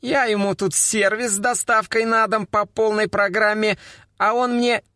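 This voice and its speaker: Shrill smoky-voiced brash woman, as a man puts her on. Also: fairly even intonation, moderate pace, pushed and bright, no room sound, studio quality. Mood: brash, indignant. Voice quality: husky smoker's voice. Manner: crude and shrieking.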